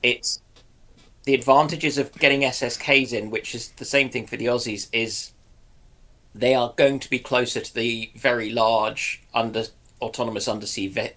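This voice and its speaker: A man's voice: mid-range voice, fairly even intonation, moderate pace, sharp tone. Tentative man in casual discussion. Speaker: co-panelist.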